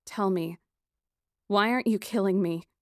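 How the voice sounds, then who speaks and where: A woman playing a feisty, sarcastic young white mage in an audiobook, defiant, sharp-tongued and scornful. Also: mid-range voice, normal speed, no echo, studio quality, natural voice. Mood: wary defiance. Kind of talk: audiobook dialogue acting.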